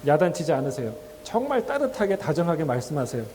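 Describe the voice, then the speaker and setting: A male pastor gives a sermon in a church sanctuary, talking it through like a conversation and putting questions to the congregation. His voice sits high but sounds mellow and soft-edged. A long reverb from the church hall trails after each phrase. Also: sing-song, fast talker, slight background noise. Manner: acts out quoted voices with laughs.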